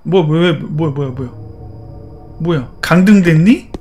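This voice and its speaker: High-pitched guy doing a let's play, jokey and teasing, talks to the monsters. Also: measured pace, over music. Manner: playful, teasing chatter at game characters. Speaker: gaming YouTuber. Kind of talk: horror game let's play commentary.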